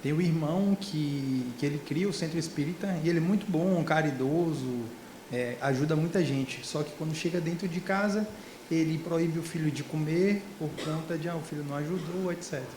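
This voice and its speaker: Male student, slightly high voice, casual question, echoey noisy room. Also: fairly quick, darkish tone. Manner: conversational, searching for words. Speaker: class participant. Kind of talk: question from the class. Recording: roomy classroom with background noise.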